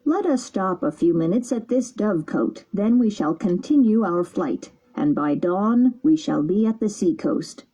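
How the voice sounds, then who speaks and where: A woman doing a calm, kindly big pigeon. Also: medium pitch, unhurried, few pauses, slightly rough. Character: large kindly male pigeon, calm and helpful. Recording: dull lo-fi recording.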